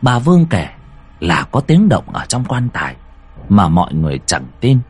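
A man narrating a ghost story in a dramatic, expressive storytelling manner. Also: fairly low pitch, normal speed, husky.

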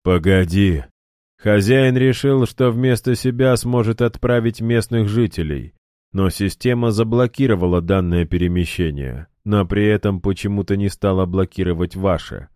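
A man voicing a created guardian who answers in a cold, flat, terse way. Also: fairly low pitch, moderate pace, no room sound, clean studio sound, close to an everyday voice. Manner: cold, flat, sparing with words.

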